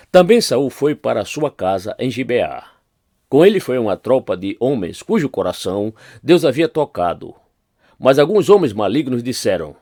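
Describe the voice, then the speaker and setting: Man, Brazilian Portuguese accent, pastor reading the Bible, lively intonation, dry close sound. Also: medium pitch, no echo. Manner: expressive reading, lifts voice for quoted speech.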